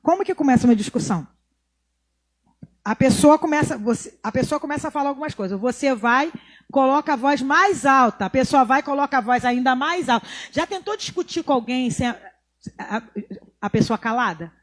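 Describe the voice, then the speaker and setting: Brazilian woman pastor, middle-aged, high voice, chatty sermon with pauses. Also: lively intonation. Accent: Brazilian Portuguese. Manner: conversational preaching with asides and pauses.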